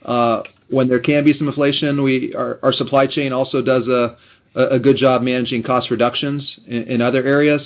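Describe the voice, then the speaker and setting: A man speaking as a company executive, giving measured, businesslike answers on a muffled conference line. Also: mid-range voice, little pitch movement. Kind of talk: unscripted answers on an earnings call.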